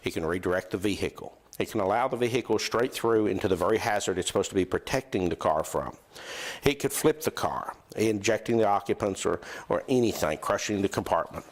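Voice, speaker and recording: A man's voice: fairly low pitch, brisk. A man explaining something in an interview soundbite.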